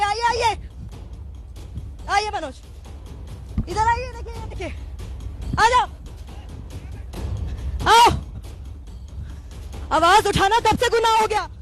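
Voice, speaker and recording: A woman field reporter reporting on the spot, pleading and insistently repeating her demands, with a dry throat. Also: very high voice.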